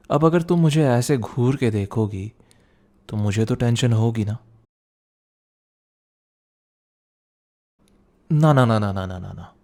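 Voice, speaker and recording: Soft and conversational, a medium-pitched man plays a young student boyfriend in an intimate ASMR roleplay, teasing yet protective. The mood comes across as teasing and wary.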